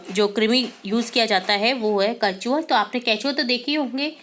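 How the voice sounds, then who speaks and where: A woman teacher going through quiz answers step by step, asking questions and answering them herself, reading English questions slowly and deliberately. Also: on the high side, fairly bright tone, a little hiss or hum. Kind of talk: quiz answer walkthrough lesson.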